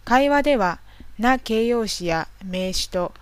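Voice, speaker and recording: Slow, calm woman explaining a lesson. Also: on the high side, smooth, no room sound. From Tohoku, Japan. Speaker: language teacher. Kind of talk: scripted explanatory narration.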